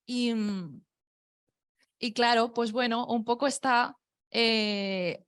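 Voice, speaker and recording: A woman's voice: a little high, steady tone, takes it slowly, a bit bright, smooth. Nervous woman poet speaking on a panel. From Spain. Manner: nervous, hesitant, many fillers. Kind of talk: unscripted panel talk. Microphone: microphone at a public talk.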